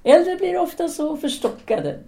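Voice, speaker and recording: A woman's voice: high voice, sing-song, creaky, heavy background noise, exaggerated voice. A woman playing a self-assured, seductive philosopher-teacher in an audio drama, speaking in an articulate, formal, lecturing manner. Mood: inviting, flirtatious. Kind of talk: audio drama dialogue acting.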